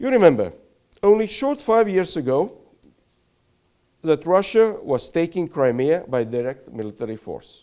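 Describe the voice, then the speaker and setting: In a Latvian accent, a man with a high pitch swings very widely in pitch and leaves long, frequent pauses. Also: moderate pace. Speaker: ambassador. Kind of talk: lecture. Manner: reading aloud; halting.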